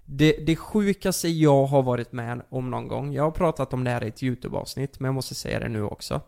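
A young man tells a story in a relaxed, chatty way. His voice has a gravelly, fried edge. He talks with lots of fillers and curses, and his delivery is animated. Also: medium pitch. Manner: animated, many fillers and swearing. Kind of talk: casual storytelling.

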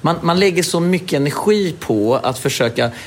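A man's voice: a little high, expressive. A man co-hosting a relationship podcast in casual chat, rambling and swearing as he acts out little scenes. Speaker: podcast co-host.

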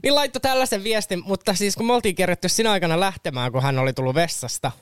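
Animated young man telling a story. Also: high-pitched, clean tone, no room sound, clean studio sound. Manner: animated, swearing, many fillers. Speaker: podcast co-host. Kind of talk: casual chat, storytelling.

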